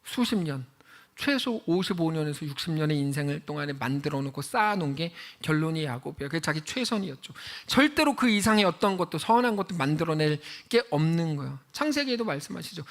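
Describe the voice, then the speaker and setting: Animated, high-voiced male pastor preaching. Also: creaky. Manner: animated, acts out drama dialogue with raised voice. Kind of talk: sermon.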